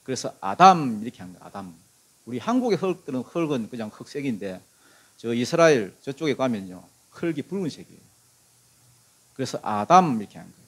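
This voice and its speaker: A man's voice: medium pitch, very animated, fairly quick, breathy edge. A middle-aged male pastor, preaching a sermon and asking the congregation questions, acting out the quoted lines of the story himself. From Korea.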